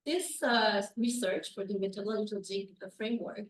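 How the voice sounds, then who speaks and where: A woman's voice: mid-range voice, steady tone, normal speed. A woman with a Quebec French accent, a native French speaker giving a hesitant academic conference talk in English with many fillers and restarts. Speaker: conference presenter, university researcher. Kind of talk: academic presentation. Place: lecture room. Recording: echoey room, speaker far from mic.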